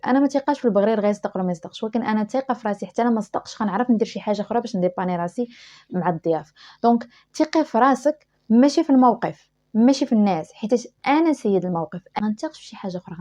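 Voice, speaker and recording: A woman with a Moroccan Arabic accent gives advice straight to her viewers in a fast, emphatic way. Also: medium pitch, dark tone. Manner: rapid, emphatic, addresses the viewer directly. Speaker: YouTuber giving advice. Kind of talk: direct-to-camera advice talk.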